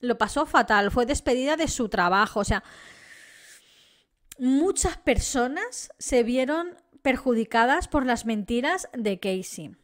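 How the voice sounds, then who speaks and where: A woman's voice: a little high, animated, a little slow. A young woman with an accent from Spain, telling a true crime story in a casual, indignant way and talking straight to her viewers. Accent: Spain Spanish. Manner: indignant, chatty, addresses viewers directly.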